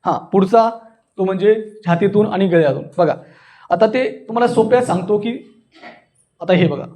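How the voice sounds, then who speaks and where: High-pitched male voice, Marathi accent, voice coach, interactive workshop teaching, demonstrative, question-led. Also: normal speed, warm tone. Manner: demonstrative, checks understanding with questions. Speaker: voice and public speaking coach.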